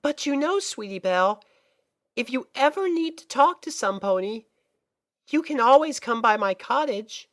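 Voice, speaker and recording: A woman voicing a timid, caring female Pegasus pony, softly and quietly, with a shy, hesitant manner. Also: on the high side, animated, moderate pace, no echo, clean studio sound, voice pushed up, close to an everyday voice. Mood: shy, gentle. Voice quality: soft, quiet.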